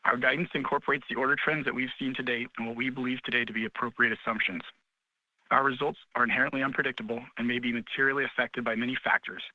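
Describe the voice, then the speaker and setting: Fast-talking man reading a formal disclaimer. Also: mid-range voice, no room sound. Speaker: investor relations officer. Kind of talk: scripted legal disclaimer reading. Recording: dull, dry conference call audio.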